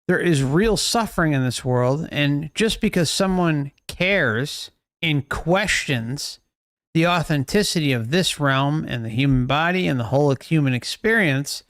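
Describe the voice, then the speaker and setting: A man's voice: fairly high pitch, a bit bright, clear, resonant tone, no echo, clean studio sound. A man hosting a livestream with casual, unscripted commentary, earnest and questioning in manner. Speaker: host of an online livestream.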